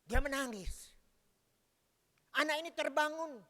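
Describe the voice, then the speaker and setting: Male pastor, emphatic sermon delivery, bright tone, reverberant church hall. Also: very high voice, unhurried. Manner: emphatic preaching, storytelling.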